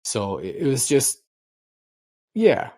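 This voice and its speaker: A man's voice: medium pitch, huge pitch swings, takes it slowly, mellow. Rambling middle-aged man telling stories. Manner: rambling storyteller, repeats and restarts words. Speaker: podcast co-host. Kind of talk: casual podcast chat.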